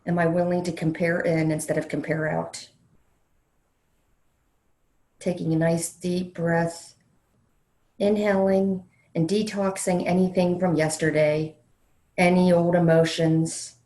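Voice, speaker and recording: A woman leading a guided meditation in a slow, soothing way, leaving long pauses between phrases. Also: on the low side, level tone, dark tone. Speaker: meditation leader, counselor educator. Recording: roomy, echoey sound.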